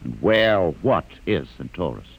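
An actor playing a calm, intelligent mutant leader in a 1950s radio drama, speaking in a measured, faintly mocking way. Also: male voice, low voice, gravelly, breathy edge, exaggerated voice. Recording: old radio broadcast with long hall reverb.

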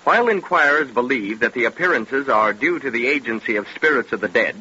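An actor playing a dramatic mystery storyteller, formal and deliberate, in 1930s radio style. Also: male voice, medium pitch, lively intonation, sharp tone, highs cut off. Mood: earnest, assured. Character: dramatic male mystery storyteller explaining eerie experiences. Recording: thin, noisy 1930s radio recording.

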